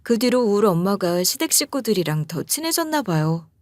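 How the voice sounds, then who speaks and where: A woman's voice: mid-range voice, big pitch swings, moderate pace, a little mellow, no echo, clean studio sound. A woman narrating a first-person life story in a chatty, confiding way.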